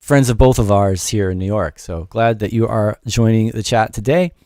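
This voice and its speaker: A man's voice: fairly low pitch, normal speed, dark tone, dry recording, studio quality. A middle-aged man giving a casual livestream music production lesson in a rambling, informal, self-deprecating way. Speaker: music production teacher and show host.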